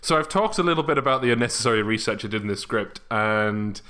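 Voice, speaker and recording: A man talks casually as a podcast host. His voice sits at a middling pitch, and his delivery is wry and self-deprecating. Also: animated, quick pace, pushed and bright. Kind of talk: casual chat.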